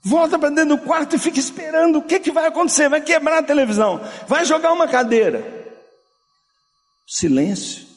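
A male pastor preaching a sermon, swinging from loud, slow declarations down to soft, hushed passages. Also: very high voice, animated, soft background music. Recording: long hall reverb.

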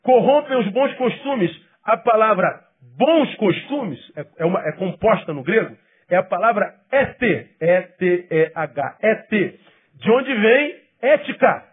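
A male pastor preaching a sermon, emphatic and then dropping to quiet asides. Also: high-pitched, animated, husky, narrow, tinny audio. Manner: acts out quoted people in quick bursts.

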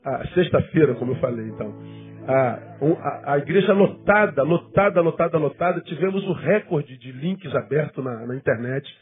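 A fifty-year-old Brazilian pastor with a Rio de Janeiro accent, preaching conversationally to a congregation and repeating words for emphasis. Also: male voice, a little high, expressive, normal speed. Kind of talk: sermon, conversational teaching to a congregation. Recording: thin phone-like sound, guitar music behind.

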